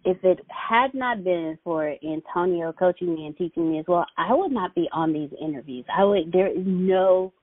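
Female podcast host, earnest, laughs easily, slightly low-pitched, phone-quality audio. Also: moderate pace, hardly any pauses, no echo. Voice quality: high-pitched voice. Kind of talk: podcast interview. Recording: tinny phone-like line, dry.

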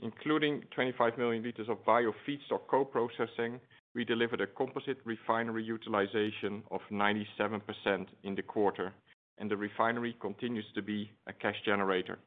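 A man's voice: fairly low pitch, steady tone, brisk. A man speaking as a company executive, giving a formal, businesslike scripted earnings presentation over a conference phone line. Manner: formal, businesslike corporate delivery. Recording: tinny, band-limited conference phone line.

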